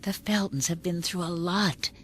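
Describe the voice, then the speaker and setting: A woman's voice: on the low side, moderate pace, a little hiss or hum, lightly acted. An actress playing a stern, protective female housekeeper loyal to her household in a video game drama. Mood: reproachful, grave. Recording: music behind the voice.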